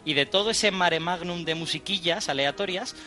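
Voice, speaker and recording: A man's voice: high voice, normal speed, pushed and bright, faint music behind. A man on a radio show, explaining a study and quizzing the hosts. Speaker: science guest.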